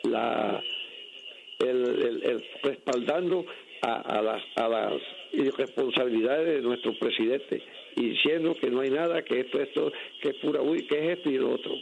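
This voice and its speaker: A man's voice: mid-range voice, moderate pace, gravelly, a little hiss or hum, rough recording. A man calling in to a radio show, searching for words and restarting often. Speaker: radio caller. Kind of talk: casual call-in opinion.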